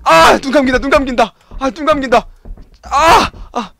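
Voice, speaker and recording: A man giving loud, yelping gameplay commentary as a game streamer, shouting quick repeated commands and laughing often. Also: very high voice.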